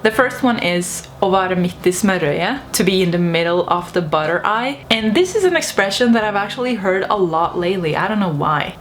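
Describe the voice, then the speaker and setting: A young Norwegian woman, whose first language is Norwegian, chats casually and playfully to her viewers in a vlog monologue, lively and laughing at her own points. Her voice is medium-pitched, with slight background noise.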